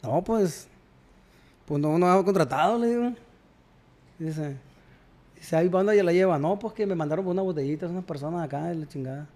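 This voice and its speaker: Slangy storyteller. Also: male voice, fairly high pitch, brisk, pauses often, warm tone. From Culiacán, Sinaloa, Mexico. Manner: slangy, acts out both sides of dialogues. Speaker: guest musician. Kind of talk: casual storytelling chat.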